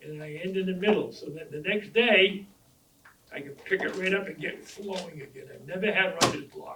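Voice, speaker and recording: Over noticeable background noise, a man speaks at a moderate pace in a raised, projected voice with a high pitch. His loudness swings widely while his pitch varies in an ordinary way. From New England, US (New Bedford, Massachusetts). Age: 80s+. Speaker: author and historian. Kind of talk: audience Q&A talk. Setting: club meeting with live audience.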